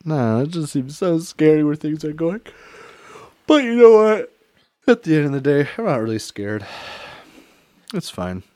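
A man co-hosting a casual commentary chat, reacting with quick quips and frequent laughter. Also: a little high, dry recording, clean studio sound. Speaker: podcast co-host.

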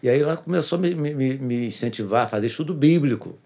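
A man's voice: mid-range voice, lively intonation, fast, gravelly, warm tone. A pastor tells his personal testimony in a casual interview, earnestly repeating phrases for emphasis.

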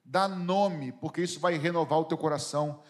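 A man's voice: fairly high pitch, moderate pace. A man preaching a sermon as a pastor in a church, emphatic and questioning the congregation. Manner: emphatic, asks the congregation questions and acts out prayers.

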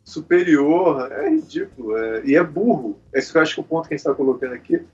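A man's voice: a little high, big pitch swings, muffled recording. Opinionated Brazilian man in his forties. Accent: Brazilian Portuguese. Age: 40s. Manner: measured, opinionated, speaks in long reflective runs. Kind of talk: casual group chat.

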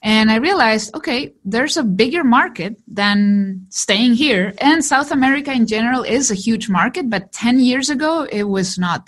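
A woman from Chile whose first language is Spanish, a digital marketer telling her story in a lively interview and laughing often. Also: mid-range voice. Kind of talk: conversational interview.

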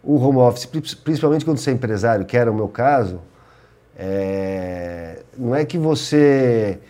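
A man with a São Paulo Brazilian Portuguese accent, calmly explaining in measured phrases as a guest in a casual chat. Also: medium pitch. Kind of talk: casual conversation.

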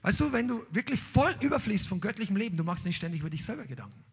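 Male pastor, husky, high-pitched voice, emphatic sermon delivery. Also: racing. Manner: animated, emphatic preaching with sudden loud peaks.

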